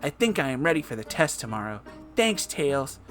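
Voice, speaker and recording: A woman's voice: rumbling low, big pitch swings, moderate pace, faint music behind. A woman voicing an eager, polite young female cartoon rabbit in a storybook reading, agreeable and matter-of-fact.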